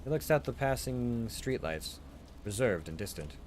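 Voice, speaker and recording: A man's voice: medium pitch, lively intonation, normal speed, darkish tone, slight background noise. A man narrating a visual novel aloud in an informal way, correcting himself as he reads.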